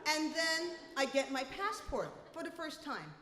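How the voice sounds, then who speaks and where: A woman from New City, telling a comic personal story live, wry and animated. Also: high voice, measured pace, a faint crowd. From New York City. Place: live venue, reverberant room. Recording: echoey hall reverb.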